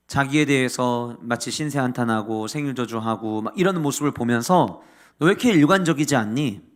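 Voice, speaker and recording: A male pastor preaching a sermon, explaining scripture and asking the congregation questions, often dropping his voice low to press a point.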